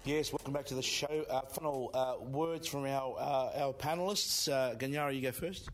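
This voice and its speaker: A man hosting a radio show, his voice slightly croaky, speaking haltingly with many pauses. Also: medium pitch, faint music behind. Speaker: host.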